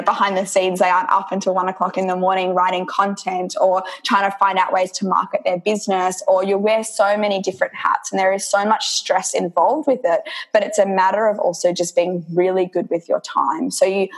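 A woman's voice: mid-range voice, level tone, fairly quick, hardly any pauses, poor audio. Young woman from indonesia, health coach chatting in an interview, lots of ums. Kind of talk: casual interview conversation.

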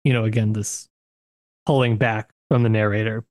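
A man's voice: lowish voice, little pitch movement, normal speed, no room sound, studio quality. A man co-hosting a book discussion podcast, talking in a thoughtful, searching way with frequent restarts. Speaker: podcast co-host.

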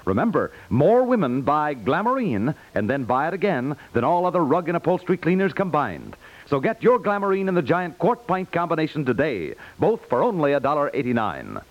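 Animated, high-pitched 1950s radio announcer man. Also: brisk. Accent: American. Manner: polished, promotional. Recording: dull 1950s radio recording.

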